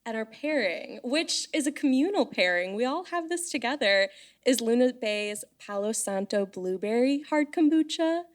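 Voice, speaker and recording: A woman's voice: a little high, expressive, normal speed. A woman hosting a live podcast in front of an audience, chatty and playful. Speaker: podcast host. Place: live event space with audience.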